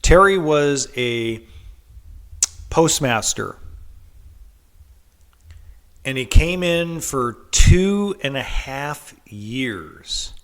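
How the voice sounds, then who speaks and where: A man with a stuffy head cold talks through a casual podcast monologue, pitch sitting right in the middle for a man. He tells a story loosely, with ums and restarts along the way. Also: animated, very slow, pauses often, a bit bright. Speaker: podcast host.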